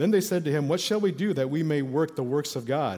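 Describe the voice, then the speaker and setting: On a very clean recording with a silent background, a man with a dark, mellow tone talks at a fairly quick pace. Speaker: pastor. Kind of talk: sermon. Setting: church. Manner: fast talker.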